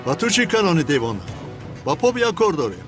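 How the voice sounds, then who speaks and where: A man's voice: fairly high pitch, very animated, over music. A man dubbing an aggressive adult man who bluntly demands what he wants. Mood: demanding. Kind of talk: film dub.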